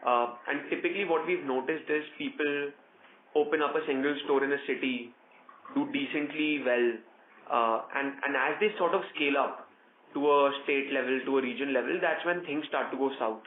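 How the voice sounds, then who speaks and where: A man with an Indian accent, a company executive, giving measured, explanatory answers on an earnings call over a conference phone line. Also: medium pitch. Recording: echoey tinny conference phone line with noise.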